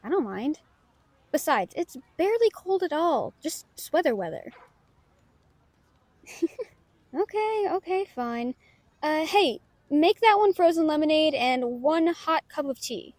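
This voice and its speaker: High-voiced, chatty young woman novelist played by an actress. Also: expressive, slow pace, pauses often, darkish tone, no room sound. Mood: light, teasing. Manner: chatty, teasing, self-deprecating. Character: playful, self-doubting young woman novelist chatting with her friend. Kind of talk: intimate audio roleplay addressed to a listener.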